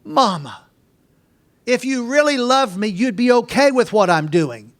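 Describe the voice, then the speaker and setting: A man's voice: very high-pitched, very animated, a little slow, pitched above the performer's own voice, exaggerated voice. A man voicing a grown child who pleads with the parents for approval in a whiny tone. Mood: pleading.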